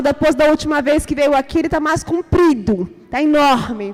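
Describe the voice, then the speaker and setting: This woman's voice sits high in pitch. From Brazil, Manaus, Amazonas. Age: 40s. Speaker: pastor. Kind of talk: sermon.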